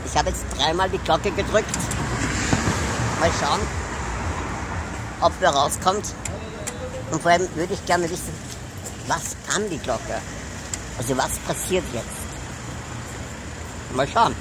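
A man's voice: a little high, slow, pauses often. A young man with a Viennese Austrian accent, talking casually to the camera as a vlog host. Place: outdoors on a city pavement outside a café. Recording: outdoor street noise, loud traffic ambience.

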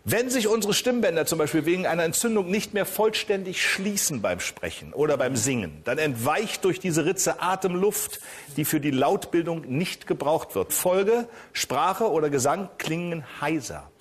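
A man's voice: fairly high pitch, sing-song, moderate pace, husky. An older man hosting a comedy panel quiz in a TV studio, reading out questions and answers with a teasing manner. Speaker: quiz show host. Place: TV studio with live audience.

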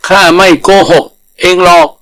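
A man's voice: moderate pace, fairly bright tone, lightly acted. A man voicing a big, proud but gullible elephant with an earnest manner in a folktale. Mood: pleading. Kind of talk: animal folktale storytelling.

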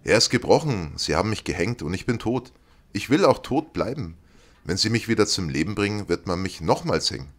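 A frightened, pleading spirit of an executed man speaks in a deep, low register, voiced by a man reading an audiobook. His delivery is anxious and full of self-pity. It is audiobook storytelling. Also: sing-song, a little fast. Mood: weary. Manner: pleading, fearful, self-pitying. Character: tormented ghost of a hanged young man.

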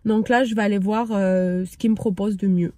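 A woman's voice: medium pitch, fairly even intonation, a little fast, darkish tone, no room sound. A young woman talking casually to her phone camera in a vlog, hesitant, with many fillers. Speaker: vlogger. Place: hospital, then outdoors by traffic.

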